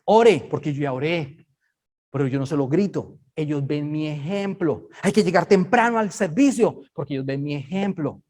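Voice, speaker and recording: A man's voice: a little high, lively intonation, normal speed, darkish tone. Brief: male preacher, chatty, emphatic teaching tone. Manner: conversational, emphatic, checks listeners understand. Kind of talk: Bible study sermon.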